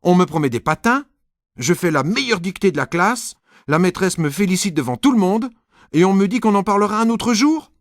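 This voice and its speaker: A man voicing a boastful, excitable little schoolboy in a storybook reading, with a raised, whiny, indignant voice. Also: high-pitched, a little fast, hardly any pauses, no echo, studio quality, pitched above the performer's own voice.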